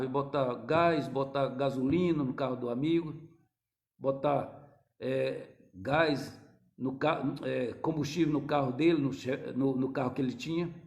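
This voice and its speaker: A man preaching a fervent sermon to his congregation, his fairly high voice rising into loud, urgent cries before sinking into hushed, low passages. He keeps calling the listeners brothers. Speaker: pastor.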